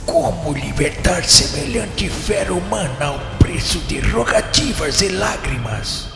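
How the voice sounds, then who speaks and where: A tyrannical spirit judge from a netherworld radio play. His high voice swoops widely through slow, pompous declamation, wrathful and commanding, inside a long echoing hall. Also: lively intonation, vocal fry, heavily acted. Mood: merciless. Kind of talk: radio drama acting. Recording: echoey long hall reverb, music underneath.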